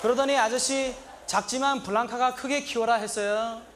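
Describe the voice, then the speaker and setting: A naive, earnest young migrant worker with a Sri Lankan accent and a strikingly high voice. He talks in short, broken sentences in a comedy monologue and breaks into a shouted, indignant catchphrase. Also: fairly even intonation, moderate pace, over a noisy crowd, very noisy. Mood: plaintive. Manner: broken, simple Korean sentences.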